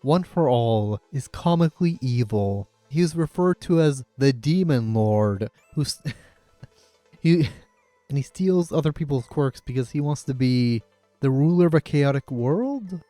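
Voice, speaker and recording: Over a faint music bed, a male host reads scripted video essay narration in an unhurried, relaxed, medium-pitched voice. His tone is casual and sardonic, opinionated and sarcastic, with some casual swearing, and the recording has no room sound.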